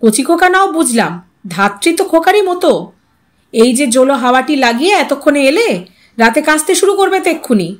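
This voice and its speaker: Woman acting out worried mother, high voice, scolding, easily hurt, audio story drama. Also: sing-song, moderate pace. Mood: hurt, fussing. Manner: agitated, fretful complaining.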